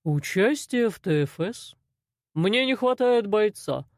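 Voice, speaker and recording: A woman voicing a cold, menacing male loan shark boss in an audiobook, speaking slowly and mockingly. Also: medium pitch, lively intonation, no room sound, clean studio sound. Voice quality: slow, drawling, mocking. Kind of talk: audiobook character voice.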